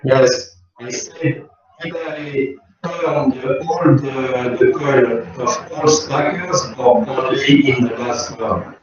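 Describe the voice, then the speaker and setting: A man asking a question in an online workshop over a faulty laptop microphone. His voice comes through distorted and crackly, and he talks slowly and haltingly, repeating himself. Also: mid-range voice, fairly even intonation, recorded from a distance, crowd noise. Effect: distorted, crackly microphone sound. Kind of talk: casual conversation in an online workshop. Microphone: faulty laptop microphone on a video call. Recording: echoey, dull video-call audio.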